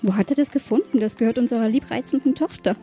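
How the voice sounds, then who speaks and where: A man's voice: extremely high pitch, quick pace, dark tone, soft background music. A man voicing a pompous, fussy royal parent in a fairy-tale mystery game. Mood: indignant.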